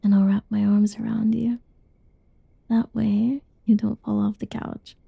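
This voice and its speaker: A young woman doing a whispered ASMR roleplay in a soft, teasing whisper, recorded close and dull. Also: mid-range voice, level tone, unhurried, gravelly, breathy edge, no echo.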